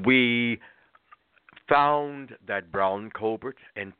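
This man has an American accent. His pitch sits in the medium range. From West Virginia, US. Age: 70s. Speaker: retired banker and family history researcher. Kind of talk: interview. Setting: radio show, remote call-in.

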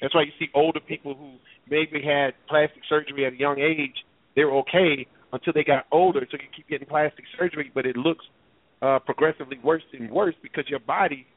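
A man with an unremarkable speaking voice, fairly high in pitch, at a fairly quick pace. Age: 40s. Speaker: male panelist. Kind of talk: casual panel discussion. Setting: phone or online call.

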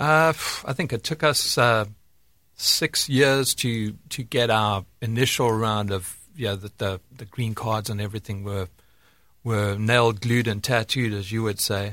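In a very clean recording with a silent background, a bright, sharp voice moves at a fairly slow pace with ordinary pitch variation. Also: man, medium pitch for a man. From South Africa. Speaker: businessman. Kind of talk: radio interview. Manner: hesitant, many fillers.

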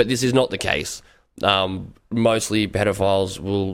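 Over a silent background in a very clean recording, a man with an Australian accent speaks at a moderate pace, fairly low in pitch and fairly even in intonation. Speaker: podcast host. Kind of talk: opinion monologue. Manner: casual.

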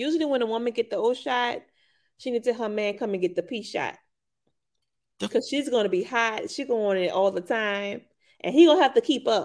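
A woman with a New Orleans accent, fairly high pitch and ordinary pitch variation, long, frequent pauses, on a very clean recording with a silent background. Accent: Southern US, New Orleans. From New Orleans, US South. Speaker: nurse practitioner and women's health business owner. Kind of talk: casual interview chat.

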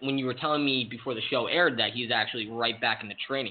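A man's medium-pitched voice, with ordinary pitch variation, comes through noticeable background noise. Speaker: podcast co-host. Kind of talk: casual interview.

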